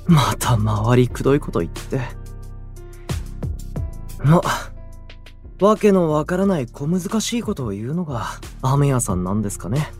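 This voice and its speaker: An actor playing a blunt, hot-headed young male idol singer in a Japanese voice drama, brash and outspoken with a husky voice. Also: mid-range voice, big pitch swings, measured pace, pauses often, darkish tone, soft background music. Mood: wary, grumbling.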